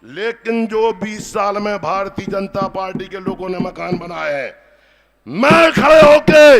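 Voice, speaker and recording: A man's high voice with lively intonation and big swings in loudness, music in the background. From Madhya Pradesh, Chanderi area. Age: 60s. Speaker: politician, former legislator. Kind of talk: political rally speech. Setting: stage with audience. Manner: loud, fiery.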